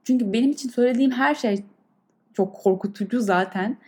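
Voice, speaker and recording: A woman's voice: a little high, brisk, a little mellow, slightly rough. A woman speaking earnestly and thoughtfully, with small halts, like a podcast host leading a reflective meditation talk.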